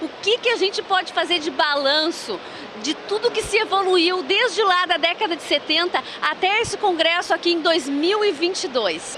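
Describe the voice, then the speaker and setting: Amid noticeable background noise, a woman projects her voice at an extremely high pitch, moving at a moderate pace with ordinary pitch variation. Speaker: interviewer. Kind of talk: on-site event interview.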